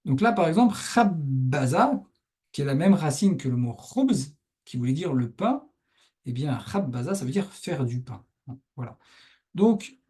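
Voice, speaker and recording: A man's voice: a little high, mellow, breathy edge. A male Arabic teacher patiently explaining a lesson step by step over on-screen writing, with frequent verbal check-ins to his students.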